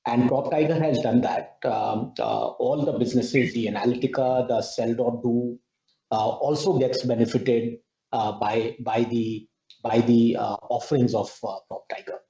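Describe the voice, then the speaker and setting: A man with a mellow, dark voice talks from a roomy space over an earnings call line. He comments as a senior executive, haltingly and reflectively, often repeating words. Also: medium pitch, steady tone, gravelly. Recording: muffled, echoey conference call audio.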